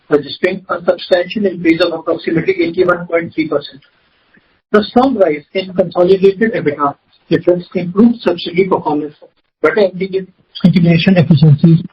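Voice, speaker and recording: A man's voice: sits high, slight background noise. A man with an Indian accent formally presenting scripted financial figures as a company executive on an earnings call. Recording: dull, lo-fi conference call audio.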